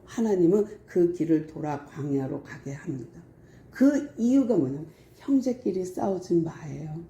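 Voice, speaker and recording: Woman pastor, animated sermon delivery with a wide pitch swing, mellow tone, echoey room. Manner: animated, acts out quoted voices in plain speech.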